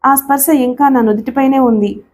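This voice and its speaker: A young wife in a storybook drama, tearful and stubborn, pressing her point again and again, as a woman narrator puts her on. Her voice sits a touch high and clear. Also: fairly even intonation, normal speed, darkish tone. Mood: tearful pleading.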